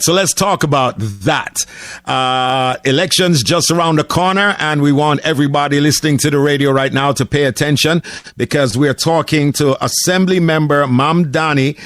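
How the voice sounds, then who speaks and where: A man's voice: on the high side, normal speed, a bit bright, no room sound, clean studio sound. A man hosting a casual radio interview, laid-back and dotted with "uh" fillers. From Jamaica. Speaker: radio host. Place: radio studio.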